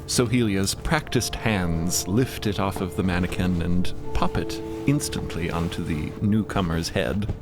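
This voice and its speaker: A man's voice: low-pitched, a little slow, over music. A man narrating audio fiction in a dramatic storytelling style.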